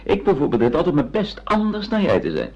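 An actor in a radio play playing a young, self-assured arty son, flippant and defiant. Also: male voice, fairly high pitch, wildly swooping pitch, fairly quick, vocal fry, darkish tone, breathy edge, exaggerated voice. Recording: dull lo-fi radio play recording.

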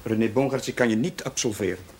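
An actor playing an earnest, stern young Catholic chaplain in a television drama, grave and admonishing. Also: male voice, fairly low pitch, fast, close to an everyday voice. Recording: noisy 1970s TV soundtrack with clicks.

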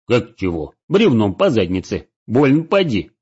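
A blunt, teasing adventurer talks in a husky, lively voice, voiced by a male narrator. He stays dry and matter-of-fact. The recording sounds dull and lo-fi. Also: fairly low pitch, a little slow, full character voice. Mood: wry.

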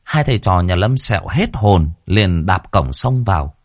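Brief: deep husky male narrator, horror tale, animated delivery, dry. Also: normal speed, no echo. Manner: dramatic, vivid storytelling. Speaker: storyteller.

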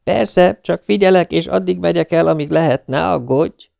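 A man voicing an eager young male rookie, keen and quick to agree, in an audiobook. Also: on the high side, gravelly, a little mellow, no echo, studio quality, pitched above the performer's own voice. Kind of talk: audiobook character voice.

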